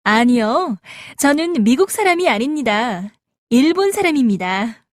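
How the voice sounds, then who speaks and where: A woman acts as a young female student in a textbook dialogue. Her voice is high and very animated, at an unhurried, clearly enunciated pace. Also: no echo, clean studio sound. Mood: polite, cheerful. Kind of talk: scripted language-lesson dialogue.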